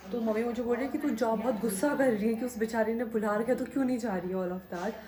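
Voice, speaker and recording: A woman speaks at a fairly high pitch over noticeable background noise. Her intonation stays fairly even. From Uttarakhand, India. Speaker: vlogger. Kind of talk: casual vlog.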